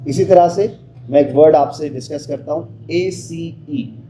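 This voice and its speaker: A male teacher with a slightly higher voice runs an interactive pronunciation lesson. He sounds out single letters with emphasis and keeps quizzing his listener. The sound is echoey with a steady hiss of background noise. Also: moderate pace.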